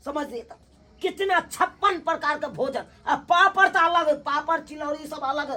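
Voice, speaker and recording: A spoiled young son-in-law in a village comedy skit, played by a woman. His voice is extremely high, and he rants in sharp, indignant bursts, snapping out demands. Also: moderate pace. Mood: boastful.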